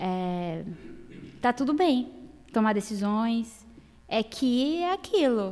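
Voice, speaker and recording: At a very slow pace, a dark, mellow tone moves through very wide pitch swings. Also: woman. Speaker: astrologer. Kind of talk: casual chat.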